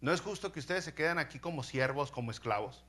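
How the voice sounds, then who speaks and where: A preacher playing a stern ruler, curt and firm in a fairly high male voice, laying down his verdict on his brothers. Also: lively intonation, quick pace, pushed and bright. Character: powerful man testing his brothers, stern.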